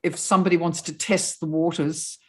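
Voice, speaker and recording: A woman on a video call, calmly explaining how an online festival works. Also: lowish voice, brisk, a crowd in the background. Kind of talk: online meeting discussion.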